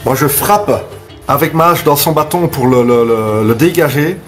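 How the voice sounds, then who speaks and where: A man's voice: mid-range voice, normal speed. A man playing a tabletop role-playing game, chatting casually and describing his character's moves. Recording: background music under the voice.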